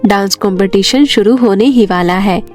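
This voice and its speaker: A woman voicing the loving spirit of a dead mother in an animated storybook, speaking calmly and soothingly. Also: mid-range voice, moderate pace, soft background music, pitched below the performer's own voice, lightly acted.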